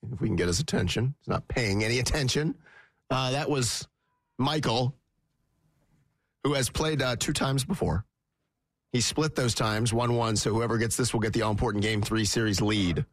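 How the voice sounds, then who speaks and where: A man's voice: mid-range voice, moderate pace, dry recording. A man hosting a radio quiz with a teasing, dry sense of humor. His voice sits in a middle register and sounds close and dead, with no room at all. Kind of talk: casual sports radio banter.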